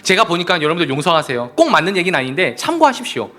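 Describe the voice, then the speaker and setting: A man preaching a sermon as pastor, animated and repeatedly appealing to his congregation. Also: fairly high pitch, very fast, faint music behind. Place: church sanctuary.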